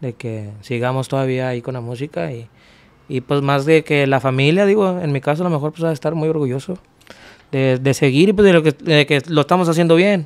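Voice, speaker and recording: His pitch is fairly high. This man's pitch varies in an ordinary way. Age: 30s. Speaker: regional Mexican musician; interview guest. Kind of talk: casual interview chat. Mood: calm, reflective, warm. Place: studio. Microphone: studio mic.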